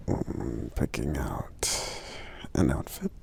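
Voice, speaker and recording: A man playing a friendly, polite, protective giant in soft-spoken ASMR roleplay, breathy and gravelly, with hesitant, hum-filled pauses. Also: a bass voice, animated, heavily acted. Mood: accommodating, gentle. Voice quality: breathy, gravelly, half-whispered. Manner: hesitant, courteous, unhurried, pausing with hums.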